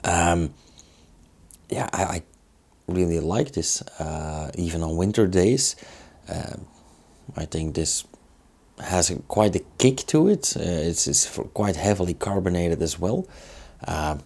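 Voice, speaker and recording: Belgian man in his thirties, Dutch first language, unhurried beer reviewer with a low, gravelly voice. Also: a little mellow. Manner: slow, thoughtful, with many fillers. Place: small indoor studio with beer signs.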